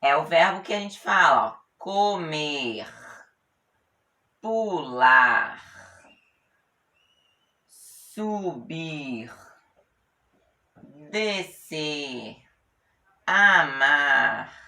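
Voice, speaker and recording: A woman's voice: deep voice, expressive, drawn-out words, long pauses, sharp tone. A woman teacher with a Brazilian Portuguese accent gives a grammar lesson patiently, stretching out example words and often checking with her students.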